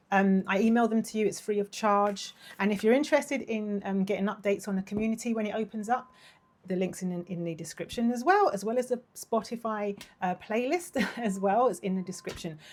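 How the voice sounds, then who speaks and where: A woman's voice: a little high, darkish tone. A woman in her thirties doing a casual tarot reading, gushing and affectionate, her voice worn and partly lost. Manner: gushing, affectionate, with frequent laughs. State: losing her voice. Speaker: tarot reader.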